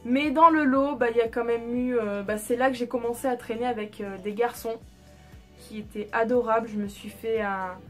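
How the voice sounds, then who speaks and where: A woman's voice: on the high side, steady tone, normal speed, fairly bright tone, soft background music. A young woman telling a candid personal story in a casual vlog, chatty with lots of fillers and the odd swear word. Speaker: vlogger.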